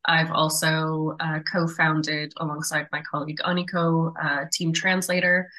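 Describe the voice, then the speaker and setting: Low-voiced woman with a bright, forceful edge; hesitant. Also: level tone, measured pace. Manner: hesitant, with fillers. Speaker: guest, translation account manager. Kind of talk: casual podcast introduction.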